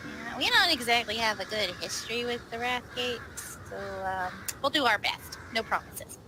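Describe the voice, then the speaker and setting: A woman's voice: a little high, lively intonation, moderate pace, noisy background. A woman playing a tabletop roleplay, talking casually in character with a dry, skeptical manner. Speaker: roleplay player.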